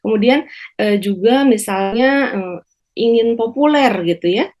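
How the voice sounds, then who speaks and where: Hesitant, measured woman psychiatrist. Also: a little high, darkish tone. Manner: measured, many hesitation fillers. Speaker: psychiatrist guest. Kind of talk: explanatory talk show answers.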